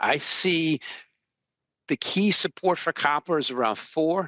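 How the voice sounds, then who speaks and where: Over a quiet background, a man talks with a bright, sharp tone and a dry, close sound with no echo. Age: 60s. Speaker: commodity market strategist. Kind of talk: interview.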